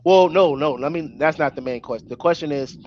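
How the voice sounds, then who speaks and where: A man from Ohio co-hosting a casual webinar over an online call, asking questions in halting, hesitant phrases. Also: a little high, a little mellow. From Ohio, United States. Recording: dull lo-fi call, faint noise.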